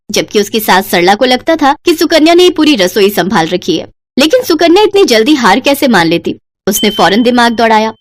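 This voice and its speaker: A woman telling a cartoon story with scripted, expressive narration. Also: a little high, dry recording.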